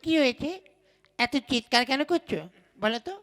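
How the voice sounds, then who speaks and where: A man's voice: extremely high pitch, normal speed, a bit bright, soft background music, voice pushed up. A nagging village wife, voiced by a man. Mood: scolding. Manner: scolding, nagging questions. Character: village wife, sharp and practical. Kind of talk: puppet show voice acting.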